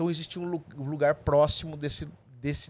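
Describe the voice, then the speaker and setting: In an unremarkable speaking voice, a man talks fairly quickly at a fairly high pitch with fairly even intonation. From Brazil, Campinas (São Paulo state); São Paulo state, Brazil. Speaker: cemetery tour guide; podcast guest, cemetery tour guide. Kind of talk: casual interview chat. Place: studio. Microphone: studio mic.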